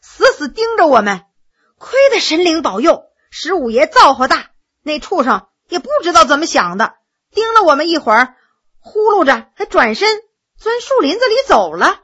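A woman voicing an excitable young girl who tells her story breathlessly with many exclamations. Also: high voice, normal speed, lo-fi sound. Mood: excited.

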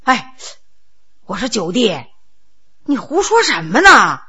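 A woman's voice: on the high side, huge pitch swings, slow, bright, forceful tone, slightly rough, highs cut off, voice pushed down, heavily acted. A woman storyteller voicing a Qing prince, a grown man who gives harsh orders and then stammers in confusion. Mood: flustered. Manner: commanding, then flustered and stammering. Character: Qing prince, middle-aged man, stern official turned bewildered.

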